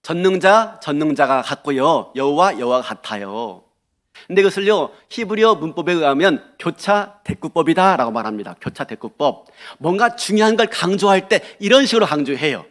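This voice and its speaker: A male pastor preaching a sermon in an animated way, often asking the congregation questions. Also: a little high, moderate pace.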